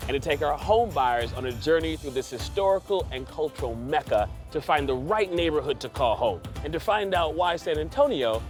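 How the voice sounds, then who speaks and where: A man's voice: on the high side, animated, normal speed, hardly any pauses. A man hosting a home-buying show as a realtor, narrating with upbeat enthusiasm and chatting with buyers. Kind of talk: scripted narration and on-site chat. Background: background music.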